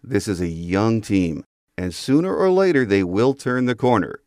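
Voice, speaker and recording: Man, middle-aged, podcast host, scripted monologue, earnest fan tone, low voice, dry sound. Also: sing-song, moderate pace, a little mellow, no room sound. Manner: earnest, fan-like, reading a prepared opinion piece. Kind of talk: scripted sports commentary monologue.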